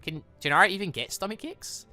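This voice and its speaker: An excitable gaming host gushing, exclaiming and rambling through commentary on a visual novel, reading along as they play. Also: mid-range voice, fairly quick, no room sound. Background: music.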